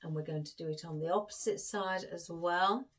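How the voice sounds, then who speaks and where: A woman's voice: lowish voice, moderate pace, a bit bright. A woman with a chatty manner, giving a craft tutorial and calling her viewers guys as she talks them through each step. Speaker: florist demonstrating an arrangement.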